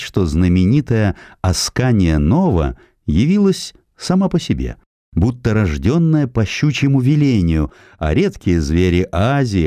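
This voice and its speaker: Deep-voiced man narrating with expressive intonation. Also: dry recording, studio quality. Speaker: audiobook narrator. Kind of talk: scripted literary narration of a historical essay.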